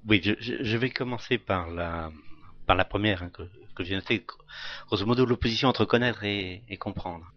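A male lecturer with a lowish voice answers audience questions at a moderate pace, explaining academic points thoughtfully and using the filler "hein." The audio sounds dull.

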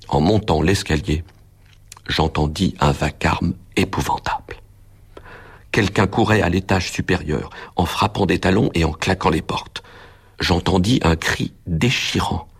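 Deep gravelly male storyteller. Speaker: narrator. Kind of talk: audiobook narration.

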